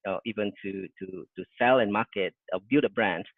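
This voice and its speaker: Halting low-voiced man on a tinny line. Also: no room sound. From Indonesia. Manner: halting, many fillers and restarts, modest. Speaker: guest business owner. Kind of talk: casual interview answers.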